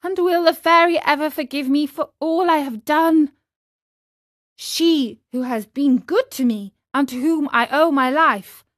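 A woman's voice: high voice, a little slow, dry recording, clean studio sound, pitched above the performer's own voice. A woman voicing a naive young wooden puppet boy in a storybook reading, speaking in an earnest, pleading, childlike way. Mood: remorseful. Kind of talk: storybook character voice.

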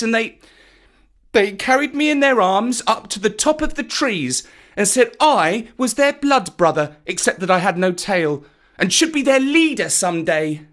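Little jungle boy, high-pitched, boastful, sulky, defiant, childlike storybook voice. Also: lively intonation, measured pace, fairly bright tone, full character voice. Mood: sulky, pleading. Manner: high, exclamatory, childlike delivery.

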